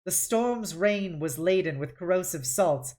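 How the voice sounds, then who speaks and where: Low-voiced woman reading a novel aloud. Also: expressive, unhurried, a little mellow. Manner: dramatic, with occasional stumbles and self-corrections. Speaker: streamer hosting a read-along. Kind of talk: expressive audiobook-style novel reading.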